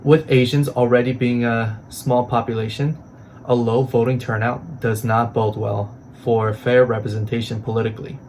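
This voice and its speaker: A man delivers scripted explainer narration. His mid-pitched voice is measured and serious, over faint ambient noise. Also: level tone, a little mellow.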